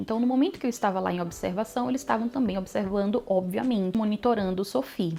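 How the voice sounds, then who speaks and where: A woman with a Brazilian accent, fairly high in pitch with ordinary pitch variation, over noticeable background noise. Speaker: vlogger. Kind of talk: personal storytelling vlog. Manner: casual, conversational.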